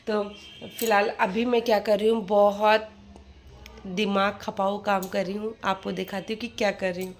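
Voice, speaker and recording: A woman's voice: medium pitch, slight background noise. A woman in her thirties talking casually to viewers in a home vlog, venting about family troubles in a chatty, talkative way. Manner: talkative, venting with frustration, addresses viewers directly. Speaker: vlogger and mother. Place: at home, sorting winter clothes.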